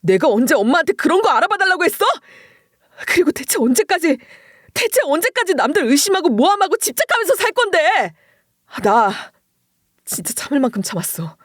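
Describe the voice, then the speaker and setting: A woman's voice: sits high, big pitch swings, brisk, dry recording, studio quality, voice pushed up. A woman voicing a fed-up husband who finally explodes. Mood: furious. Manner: pleading, then shouting in frustration. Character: exasperated young husband, normally quiet and reserved. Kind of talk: dramatized story reading.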